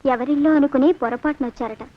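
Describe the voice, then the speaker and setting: A naive young woman, played by an actress, answers softly and obediently without understanding what is going on. Her voice is high and quick. The sound is dull and lo-fi. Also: steady tone, close to an everyday voice. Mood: innocent. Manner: soft and obedient.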